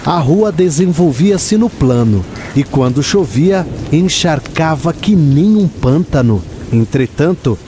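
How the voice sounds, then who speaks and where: A Brazilian man narrating a literary radio drama in a measured, expressive storytelling manner. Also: fairly high pitch, noisy background.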